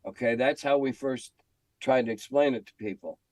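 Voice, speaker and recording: An older American man telling stories casually in an interview, candid and halting, often clearing his throat. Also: mid-range voice, darkish tone, dry recording. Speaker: interview guest, game industry veteran. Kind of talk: casual reminiscing conversation.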